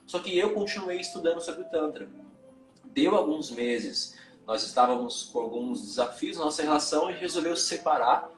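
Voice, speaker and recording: A man's voice: fairly high pitch, expressive, soft background music. Candid man telling his story, echoey room. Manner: candid, halting, repeats words. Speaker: guest, tantra and yoga teacher. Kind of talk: confessional storytelling in a live interview.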